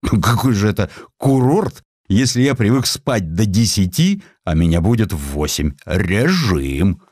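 A man's voice: fairly low pitch, very animated, a little slow, darkish tone, dry recording, clean studio sound. A male narrator playing an aggrieved, sarcastic spa patient who complains in a whining, mocking, exclamatory way. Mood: indignant, mocking.

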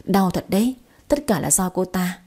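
A woman's voice: lowish voice, expressive, moderate pace, warm tone, breathy edge. Woman voicing a curious young rich man. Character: young wealthy male villa owner, curious and touchy.

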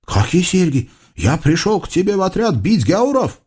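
A man voicing an eager, naive young nephew with an earnest, high-pitched way of talking. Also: sing-song, normal speed, darkish tone, husky, heavily acted.

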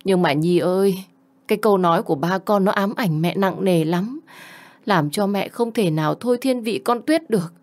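A woman's voice: medium pitch, moderate pace, darkish tone, natural voice. A woman voicing a middle-aged mother who speaks in a choked, pleading way, full of remorse and begging her daughter's forgiveness.

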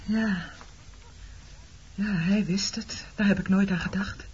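An actress playing a defensive, grieving woman in a Dutch radio drama, speaking in a halting, emotional, pleading way. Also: mid-range voice, fairly even intonation, a little mellow, a little hiss or hum, natural voice. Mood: uncertain. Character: defensive grieving woman, shunned for loving an enemy officer. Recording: dull lo-fi radio play recording.

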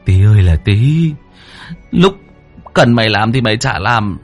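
A man's voice: on the low side, expressive, a little slow, faint music behind. A man voicing a young male exorcist who scolds his companions in exasperation. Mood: exasperated.

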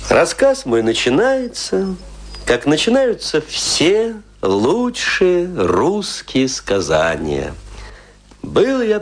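In a radio play, a tipsy, middle-aged Russian intellectual delivers a theatrical monologue, his pitch swinging widely as he moves between confiding and declaiming. Rueful and self-mocking, he savors the storytelling and leaves dramatic pauses, with slight background noise.

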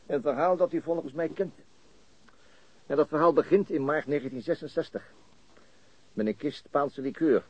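An actor playing a calm, shrewd police detective, measured and understated, in a radio crime drama with muffled sound. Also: male voice, a little high, breathy edge, no echo. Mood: probing, measured.

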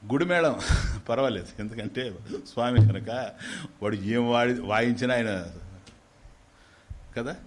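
A man delivers a spiritual discourse as a story. His pitch swings widely as he moves through the tale, and he drops English words into his talk. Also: unhurried, pauses often. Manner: animated storytelling, voices quoted characters with big pitch swings; mixes English words into speech. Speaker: spiritual teacher.

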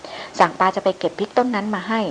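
A woman voicing a wild young male jungle tracker who speaks flatly in a low murmur. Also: a little fast, a little hiss or hum, close to an everyday voice, low-quality recording. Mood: deadpan. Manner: flat, low-murmured speech.

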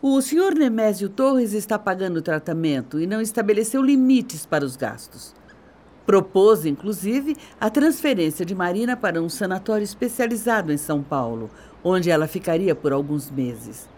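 An actress with a Brazilian accent playing a bitter, haughty middle-aged wife in a radio soap opera, mocking and theatrical. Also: female voice, mid-range voice, animated, normal speed, a little mellow, natural voice. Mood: cold, businesslike. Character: bitter, scornful middle-aged wife leaving her husband.

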